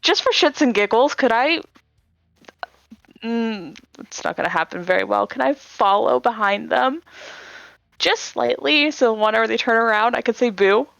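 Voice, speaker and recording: A woman's voice: on the high side, expressive, measured pace, gravelly, a bit bright, no room sound, faint music behind. A woman player in a tabletop role-playing game, talking casually and chattily.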